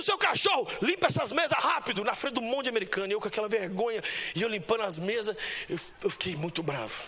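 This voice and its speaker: Brazilian preacher, middle-aged man, very high, sharp bright voice, lively storyteller who mimics voices. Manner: storytelling with big swings in pitch, mimicking voices. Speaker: pastor. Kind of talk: sermon.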